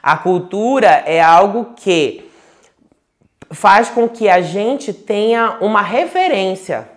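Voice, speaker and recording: A man's voice: sits high, lively intonation, slow pace. A man from Manaus with a Manaus Portuguese accent teaches tarot in a loose, conversational way from home. He wanders between examples, restarts his sentences and keeps checking in with his listeners. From Manaus, Brazil. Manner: chatty and digressive, with frequent restarts and tag questions. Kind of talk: casual online lecture. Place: home, indoors.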